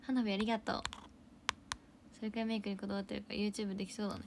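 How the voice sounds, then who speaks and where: A young woman hosting a casual idol livestream. She reads out viewer comments and thanks them for gifts, and often drops into soft, whispery asides. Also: medium pitch, little pitch movement, very fast, vocal fry, a little hiss or hum.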